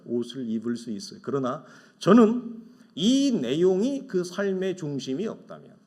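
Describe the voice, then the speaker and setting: A man's voice: a little high, a little mellow. A middle-aged man preaching a Sunday sermon as pastor, talking conversationally, asking rhetorical questions and acting out the voices of the people he describes. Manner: acts out quoted voices of envious people.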